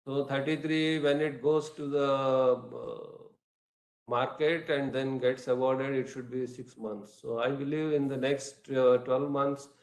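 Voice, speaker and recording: A man with an Indian accent answering questions as a company executive on an earnings call, in a halting, measured way. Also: medium pitch, fairly even intonation. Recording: echoey room sound.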